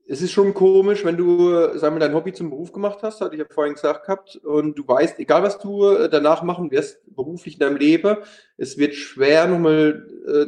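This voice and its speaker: A man's voice: on the high side, a little mellow, echoey room. A man in his thirties with a Palatinate German accent, a former pro footballer and youth coach talking in an interview, hesitant with many fillers and restarts. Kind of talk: interview, casual talk.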